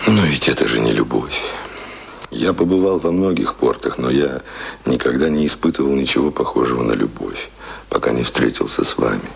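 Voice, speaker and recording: An idealistic young ex-sailor and writer in a radio play. The voice is low and very animated, with a creaky edge. He speaks with stubborn passion, by turns tender and vehement. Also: a little fast, slight background noise, full character voice. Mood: tender, lovestruck. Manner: impassioned, swings from tender to vehement. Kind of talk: Russian radio play acting. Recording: music behind, studio radio play.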